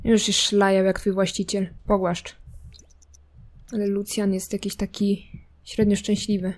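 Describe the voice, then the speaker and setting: A woman's voice: medium pitch, flat delivery, measured pace. A woman casually commenting while playing a life simulation game, chatty and teasing, talking to her characters and their cat. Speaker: gameplay streamer.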